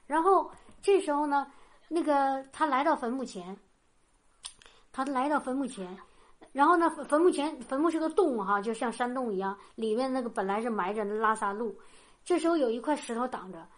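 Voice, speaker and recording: A woman preaching an informal sermon, explaining a Bible passage in a loose, repetitive way and often ending phrases with a soft tag. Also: high voice, normal speed. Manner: loose and repetitive, with frequent restarts. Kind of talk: conversational sermon with Bible reading.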